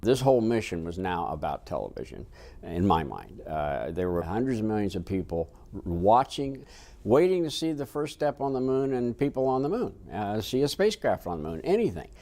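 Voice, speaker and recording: An older man looks back in a documentary interview. His voice is very low, with a soft, dark tone. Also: sing-song, moderate pace. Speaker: television broadcast engineer.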